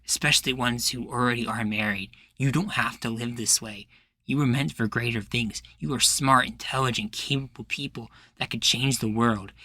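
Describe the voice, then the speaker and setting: A man acts out an earnest young male activist in a roleplayed podcast interview. He is insistent and pleading, sure of his cause. His voice is medium in pitch and sharply bright, recorded very dry. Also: no echo. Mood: urgent. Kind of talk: ASMR roleplay of a podcast guest.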